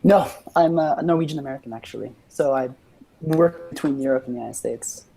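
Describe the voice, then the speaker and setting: Brief: male developer, mellow and gravelly, bouncy pitch, wry asides. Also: fairly quick, slight background noise, rough recording. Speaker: game developer. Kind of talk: casual live-stream chat.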